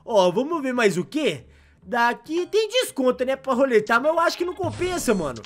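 A young man from Brazil with a Brazilian Portuguese accent, giving excited, exasperated gameplay commentary full of slang, his voice going hoarse. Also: extremely high pitch, normal speed. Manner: exasperated, exclaims often, heavy slang. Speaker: gaming YouTuber.

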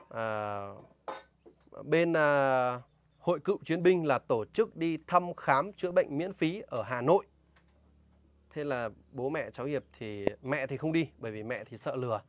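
A man with a northern Vietnamese accent vlogging outdoors, talking emphatically and indignantly as he warns about a scam and questions a local. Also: on the high side. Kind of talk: casual outdoor vlog talk, interviewing a local.

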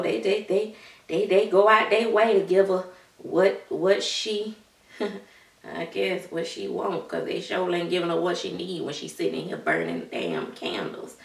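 A woman's voice: medium pitch, vocal fry, a bit bright. A woman playing a gossipy, sassy middle-aged babysitter auntie, rambling chattily and calling everyone child and honey. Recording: roomy room, mic at a distance.

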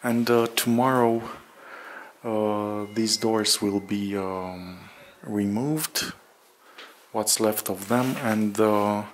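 A man narrating a casual walk-through vlog in a halting, hesitant way with drawn-out pauses, recorded indoors on a handheld camera. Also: fairly low pitch, steady tone, a little hiss or hum. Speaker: vlogger. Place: bare room under renovation, indoors, windows open.

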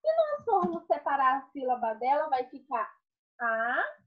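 Teacher lady with a high voice, takes her time, asks her class stuff and answers herself, muffled lo-fi computer mic. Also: wildly swooping pitch. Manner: slow and didactic, asks questions and answers them herself. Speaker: primary school teacher. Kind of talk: recorded online review lesson.

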